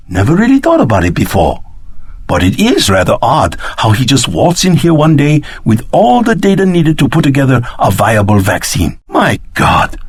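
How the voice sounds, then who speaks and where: A man's voice: medium pitch, breathy edge, dry recording. An actor voicing an agitated, earnest male research scientist in a video game. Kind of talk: dramatic video game voice acting.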